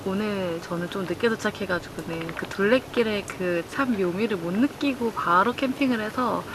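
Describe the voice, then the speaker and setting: A woman's voice: medium pitch, moderate pace, background noise. A woman chatting casually as a solo camping vlogger, half to herself and half to viewers, in an informal way. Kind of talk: casual vlog chat. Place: campsite, outdoors and in a tent.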